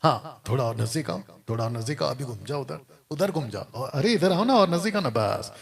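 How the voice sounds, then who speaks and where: A man's voice: medium pitch, lively intonation, a little fast, creaky, husky. A man preaching a sermon to a live congregation, scolding and firing rhetorical questions at the crowd. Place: church or meeting hall with congregation.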